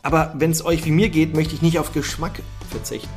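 A man's voice: a little high, flat delivery, a little fast, a little mellow, faint music behind. A man hosting a podcast, friendly and upbeat, interviewing a guest with long questions and a few fillers. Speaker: podcast host.

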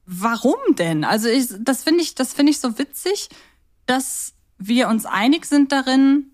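A woman's voice: high-pitched, animated, unhurried. A woman co-hosting a podcast, chatting casually in a reflective, questioning way. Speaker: podcast co-host. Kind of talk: casual podcast chat about audio dramas.

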